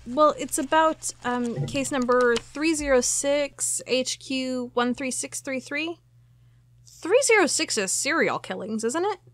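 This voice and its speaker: A woman's voice: high voice, expressive, measured pace. A woman playing an inquisitive FBI cold case agent in an audio drama. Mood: businesslike. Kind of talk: audio drama acting, reading case files aloud.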